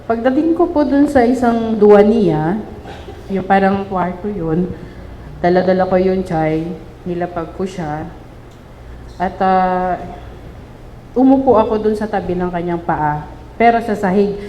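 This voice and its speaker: A middle-aged woman from the Philippines giving emotional public testimony, speaking haltingly with many restarts and polite fillers. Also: medium pitch, warm tone. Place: large public hall. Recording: echoey hall, faint room noise.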